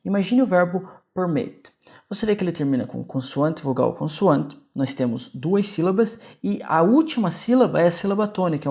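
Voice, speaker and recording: A man's voice: on the high side, vocal fry, a little mellow. A man with a Brazilian Portuguese accent teaching an English grammar lesson, explaining patiently and checking in often with the viewers.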